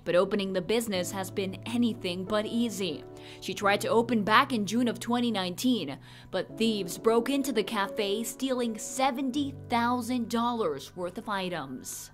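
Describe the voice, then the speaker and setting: A young woman reporter delivering a scripted news report in a crisp, measured way, partly on camera on a city street. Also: medium pitch, faint music behind.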